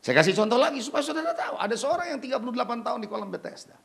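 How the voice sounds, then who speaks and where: Male pastor with a gravelly, lively voice, preaches emphatically and keeps questioning the congregation. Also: very high-pitched, rapid-fire. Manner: emphatic, peppers talk with rhetorical questions to the congregation; mixes in English phrases. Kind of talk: sermon.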